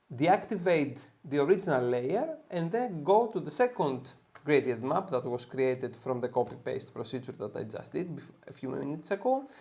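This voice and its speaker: A man's voice: fairly high pitch, darkish tone. A man with a Greek accent, from Greece, hosting an upbeat photo editing tutorial and often checking in with "okay?". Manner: upbeat, tags sentences with "okay?". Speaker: software tutorial host. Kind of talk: screen-share editing tutorial.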